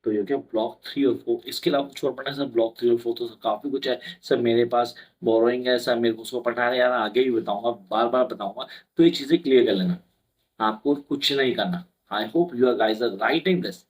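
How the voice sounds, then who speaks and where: Husky man coaching students in Hindi-English. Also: medium pitch, fairly quick, rough recording. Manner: chatty and reassuring, mixes Hindi and English, acts out students' questions. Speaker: exam-prep tutor. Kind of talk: casual Hindi-English exam coaching talk. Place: indoor room with a whiteboard behind him.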